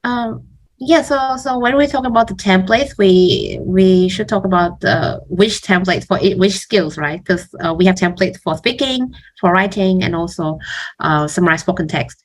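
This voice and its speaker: A woman's voice: lowish voice, normal speed, rough recording. A woman test coach talking casually in a question-and-answer discussion, hesitantly, often repeating words as she goes.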